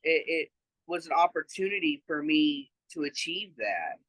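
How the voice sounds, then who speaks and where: Trans man, interview guest; bright tone, dry close sound, talks in an earnest, reflective way. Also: on the high side, lively intonation, moderate pace, no echo. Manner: earnest, reflective, with frequent fillers. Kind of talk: casual conversational interview.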